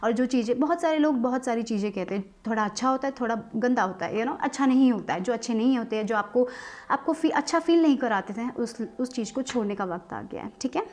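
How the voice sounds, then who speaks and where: A woman's voice: a little high, fast, a little mellow. A woman tarot reader giving a casual, reassuring card reading to her viewers. She slips English words and phrases into her sentences and often adds small checks with her listeners. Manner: reassuring and advising, with frequent filler checks.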